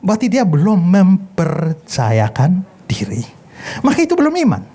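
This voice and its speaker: A male pastor teaching a Bible class in an animated, storytelling manner. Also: high voice, moderate pace, a little hiss or hum. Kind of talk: sermon-style Bible lesson with storytelling.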